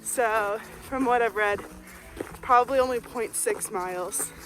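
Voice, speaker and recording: A woman's voice: fairly high pitch, a little slow, fairly bright tone, soft background music, rough recording. A woman hiking vlogger talking casually to camera while trudging along a snowy winter trail outdoors.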